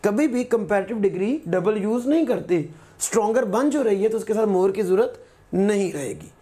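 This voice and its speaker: A male teacher giving a recorded grammar lesson, patiently repeating words slowly as examples. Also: high voice, lively intonation, mellow.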